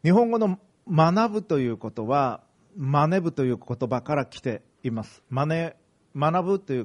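A man preaching a sermon as a pastor, speaking in measured phrases with pauses. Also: medium pitch.

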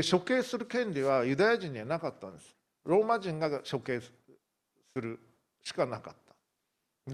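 A male pastor gives a sermon, retelling a story with lively, conversational storytelling. His voice sits at an ordinary middle pitch for a man. He brings the quoted speakers to life as he goes.

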